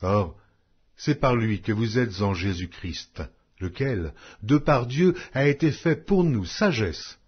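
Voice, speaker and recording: A man reads scripture as an audiobook narrator, in a solemn, measured, declamatory way with deliberate pauses. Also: lowish voice, expressive, slightly rough, dull audio. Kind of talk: solemn scripted Bible reading.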